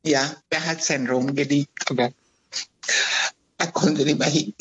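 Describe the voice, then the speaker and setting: A woman's voice: deep voice, steady tone, a little slow, breathy edge. Older woman on a dull, lo-fi line. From Italy. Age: 70s. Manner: chatty, plain-spoken, hesitant with fillers. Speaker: interview guest. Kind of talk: casual interview answers.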